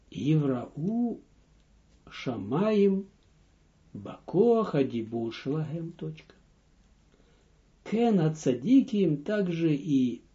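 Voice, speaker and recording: Male teacher, slow and deliberate, mellow tone, lively pitch, dull lo-fi audio. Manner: slow, deliberate, dictating with pauses; reads phrases aloud, then translates and repeats them. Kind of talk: line-by-line text lesson.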